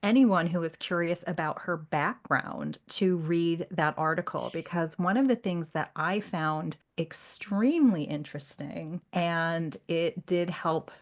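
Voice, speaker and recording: A woman hosting a literary discussion podcast, speaking in an articulate, reflective way with measured phrasing. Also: fairly low pitch. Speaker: podcast host.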